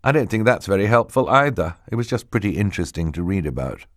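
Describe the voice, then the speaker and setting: A man voicing a bookish, anxious young boy in an audiobook, speaking quickly and earnestly. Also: low voice, big pitch swings, fairly bright tone, no room sound, studio quality. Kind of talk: audiobook character voice.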